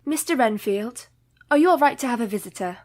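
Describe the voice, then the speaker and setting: An actress playing an earnest young married woman who questions a madman gently and steadily. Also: on the high side, expressive, brisk, music in the background, lightly acted.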